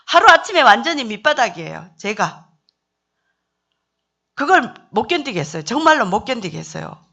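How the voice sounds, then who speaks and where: A woman's voice: fairly high pitch, big pitch swings, moderate pace, sharp tone. A middle-aged woman, a missionary's wife, telling her story at a church service and acting out her prayers with emotion. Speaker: missionary wife giving testimony. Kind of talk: church testimony.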